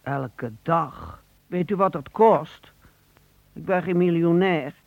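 A woman's voice: on the low side, slow pace, vocal fry, dry recording. Tinny, hesitant elderly woman. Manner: hesitant, polite, grateful. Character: lonely, proud, hesitant elderly woman pensioner. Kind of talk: radio play acting. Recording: tinny, narrow phone-like radio recording.

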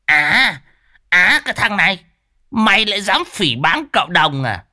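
A crude old shaman brags and cackles in a high, reedy voice, as a male narrator puts him on. His taunts are coarse and gleeful. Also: sing-song, a little slow, pushed and bright, no echo, studio quality, full character voice. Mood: boastful. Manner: boastful, mocking, cackling.

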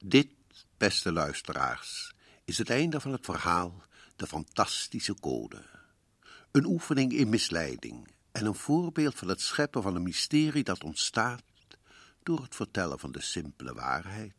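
A man playing a sinister radio-play host in black, closing the story in a husky, slow, ominous voice. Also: sits low, huge pitch swings, fairly bright tone, dry recording, heavily acted. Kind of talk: radio drama narration.

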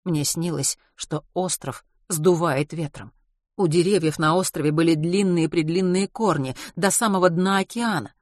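Narrator reads young woman, confiding, quiet, close and dry. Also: on the low side, normal speed, no room sound, natural voice. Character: young woman recalling a harsh island winter.

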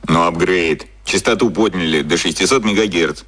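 An actor playing a cynical, cocky boss who explains things in an offhand, colloquial way, as in a radio drama. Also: male voice, sits low, moderate pace, fairly bright tone. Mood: amused, smug. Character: cynical, cocky male boss explaining secret media machinery.

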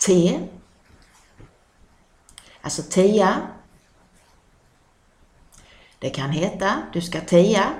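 A woman with a Scanian Swedish accent who teaches dialect vocabulary, saying each word slowly several times and explaining it. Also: mid-range voice, big pitch swings, darkish tone, echoey room. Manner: repeats words slowly and explains them.

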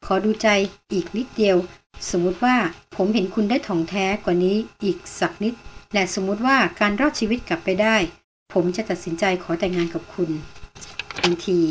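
A woman's voice: mid-range voice, a little hiss or hum, lightly acted. A woman voicing an eager, smitten young man who talks boldly and earnestly, in a storybook reading.

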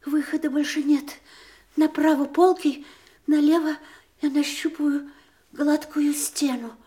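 An actress playing a troubled, polite woman in an audio drama, speaking in a deliberate, expressive storytelling manner. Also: high voice. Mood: rising dread. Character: troubled, polite woman recounting a frightening dream. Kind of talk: audio stage drama, theatrical monologue.

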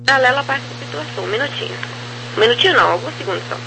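A man's voice: very high-pitched, animated, very fast, gravelly. A man with a Brazilian accent giving clipped air traffic control instructions over aviation radio. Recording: noisy, humming radio transmission.

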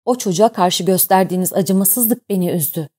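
A woman's voice: fairly low pitch, moderate pace, warm tone, natural voice. A woman voicing a young male sailor who speaks earnestly and curtly to his captain in an audiobook. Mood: reproachful.

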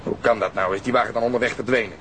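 A domineering police detective in a radio drama. He is curt and sarcastic, speaking fast in a lowish voice. A faint rumble sits behind him. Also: steady tone, a bit bright. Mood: angry, domineering. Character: brusque, bullying male police detective interrogating people.

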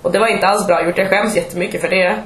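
A woman, co-hosting a podcast and telling stories in casual chat. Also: medium pitch. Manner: chatty storytelling, animated retelling. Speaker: podcast co-host. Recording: echoey room.

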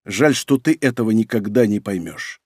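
A man's voice: fairly low pitch, animated, normal speed, darkish tone, breathy edge, no room sound. A man playing a young prince worn down by his father, answering in a tired, clipped voice. The sound is dry and close, like a narrated book. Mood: weary. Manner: tired, speaking through clenched teeth. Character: weary young male prince, resentful son.

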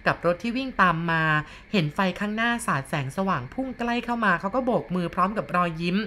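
A woman narrating a ghost story in a polite, steady way, often softening her sentences. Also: medium pitch, fast, a little hiss or hum.

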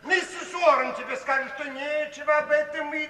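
Radio play: ineffectual, pompous older vicar, high-pitched and bright, faintly noisy hall-like old recording. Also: male voice, fairly even intonation, moderate pace. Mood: flustered, insistent. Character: pompous, flustered older clergyman father, ineffectual. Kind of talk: theatrical radio drama acting. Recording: noisy 1950s recording, distant and echoey hall.

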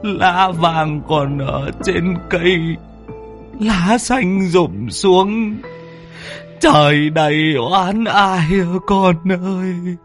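A man voicing a grieving older father who mutters a slow sing-song lament in a spoken story. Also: sits high, soft background music, pitched above the performer's own voice. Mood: mournful lament.

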